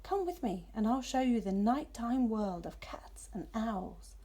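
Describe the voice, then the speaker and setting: Woman as a breathy, inviting storybook black cat. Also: fairly high pitch, expressive, a little slow, warm tone. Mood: inviting, hushed. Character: smooth, inviting big black female or male cat.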